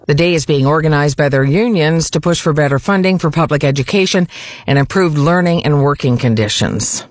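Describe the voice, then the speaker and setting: A woman reading a local radio newscast in a crisp, practiced way. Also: sits low, no echo, clean studio sound. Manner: crisp, lively newsreader delivery. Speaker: local radio news anchor. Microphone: studio microphone.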